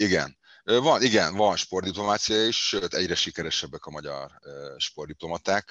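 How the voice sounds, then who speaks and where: A man with a fairly low pitch talks at a moderate pace, his bright, sharp tone and lively intonation captured in a dry, close recording with no echo. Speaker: diplomat and former water polo player. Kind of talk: interview.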